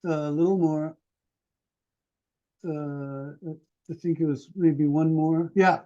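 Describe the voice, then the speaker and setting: Slow hesitant guy full of ums, mellow voice, kinda dull lo-fi sound. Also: fairly high pitch, fairly even intonation. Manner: halting, many ums and uhs, thoughtful. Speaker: audience member asking a question. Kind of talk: hesitant spoken question at a seminar. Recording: dull lo-fi room recording.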